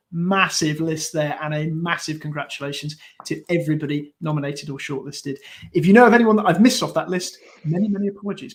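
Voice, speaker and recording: A man co-hosting a show, reading out announcements and congratulations in an upbeat live style. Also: fairly high pitch. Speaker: show co-host.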